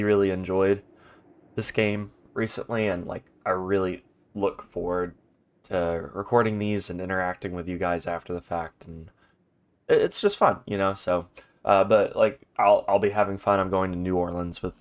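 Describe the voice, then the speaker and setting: Recorded at home, this man provides casual gaming commentary in a meandering, talkative style full of ums and restarts, sounding stuffed up from a blocked nose. His voice is low-pitched and moves at a moderate pace.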